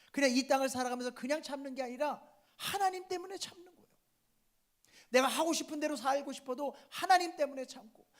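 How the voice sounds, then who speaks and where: A male pastor preaching a sermon, appealing to the congregation again and again. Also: high-pitched. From South Korea.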